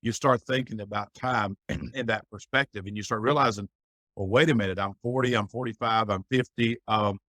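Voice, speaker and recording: A middle-aged man with a lowish voice talks in an earnest, folksy way. He shares life advice as a podcast guest. The sound is dry and close. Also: fairly even intonation, normal speed, fairly bright tone, dry recording. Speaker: guest, business owner. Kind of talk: reflective podcast conversation.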